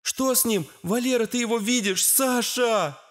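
A frightened young woman, as a male audiobook reader puts her on, crying out in a very high, shrill voice. Her calls are pitched far above his own tone. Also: normal speed, fairly bright tone. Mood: alarmed. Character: anxious young woman, the hero's beloved.

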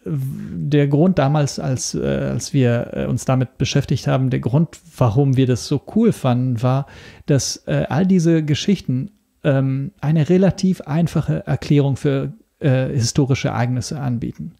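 A man speaks casually as a guest in an interview. His voice is mid-pitched, mellow and a little gravelly, and he moves hesitantly, searching for words between pauses. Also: steady tone. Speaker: podcast guest, radio drama maker.

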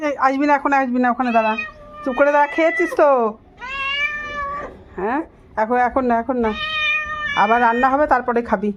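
A woman's voice: high-pitched, brisk, long pauses, muffled recording. A middle-aged woman fussing and scolding in short repeated orders as she cooks at home. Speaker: home cooking vlogger. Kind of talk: casual vlog chat while cooking. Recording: noisy home recording with ambience.

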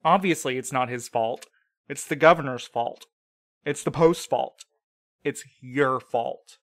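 A man's voice: medium pitch, a little slow, a bit bright, no echo, studio quality. A man playing a grieving young courier who is bitter and accusing, with clipped lines.

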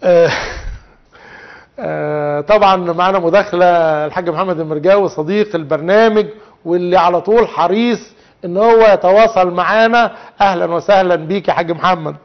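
An Egyptian TV host with a high-pitched voice delivers a fiery monologue, full of rhetorical questions for officials. The sound is dull and lo-fi. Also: male voice, a little fast. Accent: Egyptian Arabic. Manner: indignant, rhetorical, addresses officials directly. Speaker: TV talk show host. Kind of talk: televised monologue. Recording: dull lo-fi TV audio.

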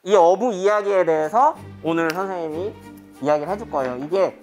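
A woman's voice: on the low side, expressive, brisk, a little mellow, lo-fi sound, soft background music. A woman teaching history to a class of children, telling the story and quizzing the pupils as she goes. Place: school classroom.

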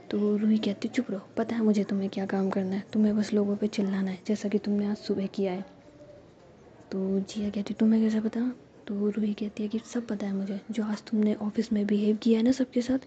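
A woman telling a story in a soft unvoiced whisper, acting out quick lines of dialogue between characters. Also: medium pitch. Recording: dull lo-fi sound.

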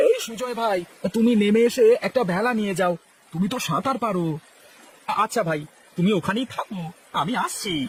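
A man voicing a kindly village landlord in a cartoon, who starts his lines with a drawn-out "e-". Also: high voice, animated, a little hiss or hum. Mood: urgent calling. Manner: calls out with a drawn "e-" before lines. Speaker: cartoon voice actor. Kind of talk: dubbed cartoon acting.

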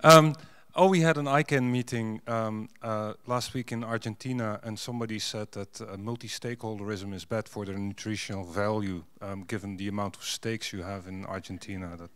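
Man, non-native English speaker, fairly low voice, halting, lots of um and uh, handheld mic on a conference stage. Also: steady tone, a bit bright, clean tone. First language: not English. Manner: hesitant, many fillers and restarts. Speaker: panelist. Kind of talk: panel discussion. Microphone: handheld microphone.

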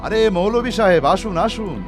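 A man's voice: sits high, fairly quick, close to an everyday voice. A man voicing a stately king who speaks formally and declaratively to his court in a cartoon. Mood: welcoming. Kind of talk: cartoon voice acting. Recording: music behind the voice.

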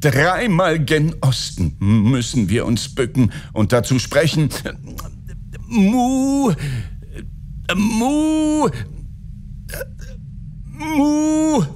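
A man voicing a jovial, excitable caliph turned into a stork, with a lively, exclaiming delivery. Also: medium pitch, a little slow, hardly any pauses, slight background noise, natural voice. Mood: merry.

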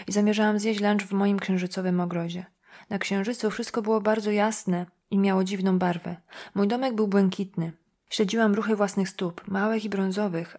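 A woman reading a novel aloud as a first-person audiobook narrator, in a quiet, measured, inward tone. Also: medium pitch.

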